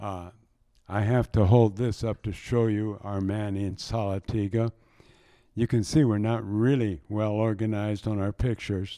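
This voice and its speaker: A man speaks with fairly even intonation and a dark, mellow tone. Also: very clean recording, silent background. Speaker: missionary. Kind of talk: presentation. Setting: stage with audience. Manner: slow.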